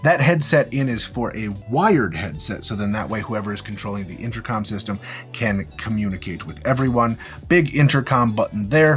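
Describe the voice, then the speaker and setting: A man's voice: mid-range voice, fairly bright tone. A man presenting an instructional gear demonstration in an informal, explanatory way with emphatic phrasing. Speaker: presenter of a film-gear tutorial. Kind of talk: instructional product demonstration with casual asides. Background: background music.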